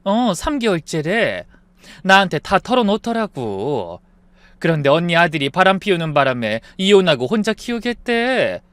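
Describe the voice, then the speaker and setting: A man's voice: high voice, very animated, normal speed, a bit bright, no echo. A man voicing a sly, needling middle-aged woman who gossips in a narrated drama story.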